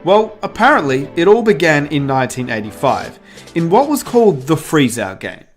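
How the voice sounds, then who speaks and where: A woman narrating a channel video, telling a story with lively emphasis and rising questions. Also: low voice, normal speed. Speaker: YouTube narrator. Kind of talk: scripted narration. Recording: faint music underneath.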